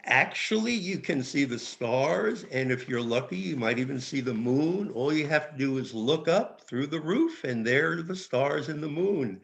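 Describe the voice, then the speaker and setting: A man's voice: a little high, expressive, moderate pace, creaky, few pauses, fairly bright tone. A man in an amateur reader's theater, playing a boastful Jewish holiday as a hammy, pleading, jokey contestant. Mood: playful, boastful. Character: Jewish harvest hut festival as boastful game-show contestant.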